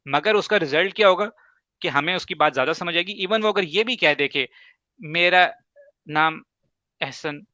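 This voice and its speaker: Bright emphatic man, dull lo-fi sound. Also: fairly high pitch, no echo. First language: Urdu. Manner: emphatic, explains with examples and quick asides. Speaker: host. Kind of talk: casual advice talk.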